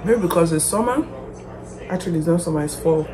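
A woman's voice: fairly low pitch, brisk, crowd noise. A woman chatting casually to her viewers like a lifestyle vlogger, musing aloud as she goes. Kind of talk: casual vlog chat to viewers. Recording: clear background noise.

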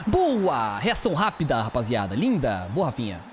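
A man with a Brazilian Portuguese accent doing live gameplay commentary for a football video game. He yells at his players and talks in casual slang. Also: medium pitch, moderate pace, background noise. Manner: excitable, shouts at players, slangy banter. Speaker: gaming streamer.

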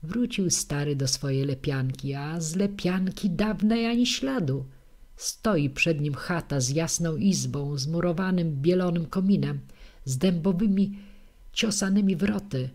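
Deep-voiced female storyteller, slow and measured, for a children's fairy-tale audiobook. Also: animated, a little mellow. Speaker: audiobook reader.

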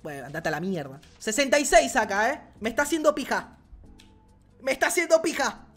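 A man with an Argentine Spanish accent hosts a gaming channel, delivering excited gameplay commentary full of swearing and frequent shouting. His voice is very high and fairly quick, with faint music in the background.

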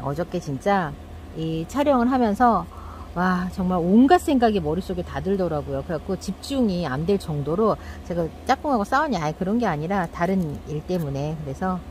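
A woman's voice: mid-range voice, slight background noise. A middle-aged woman hosting a succulent channel, chatting casually while tending her plants and acting out quoted thoughts.

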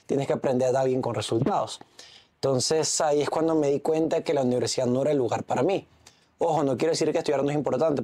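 A man's voice: fairly high pitch, warm tone. A man in his thirties with a Venezuelan accent, a guest speaking confidently in a casual interview, seated in an office lounge. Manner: confident, talks with his hands. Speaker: entrepreneur guest. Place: office lounge with city view.

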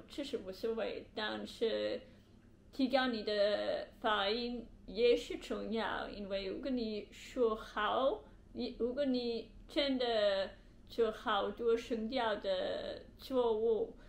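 A young woman, a non-native Mandarin speaker with a foreign accent, talks casually to camera in a halting way, searching for words. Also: on the high side, creaky, a little mellow. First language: not Mandarin. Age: young adult. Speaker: language learner vlogger. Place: indoor living room with bare wall, on sofa. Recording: echoey room, faint background hiss.

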